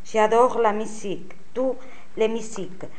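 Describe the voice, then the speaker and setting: A woman's voice: a little high, steady tone, unhurried, a little mellow. A woman student carefully reading a character's part from a language lesson script. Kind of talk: slow careful read-aloud of a lesson script.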